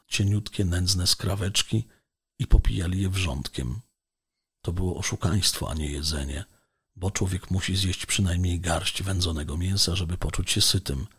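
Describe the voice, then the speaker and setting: Męski głos narratora audiobooka prowadzi opowieść równo i rzeczowo. Barwa głęboka, chropawa, mocno zachrypnięta. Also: male voice, deep voice, a bit bright, breathy edge. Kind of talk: scripted narration of a novel.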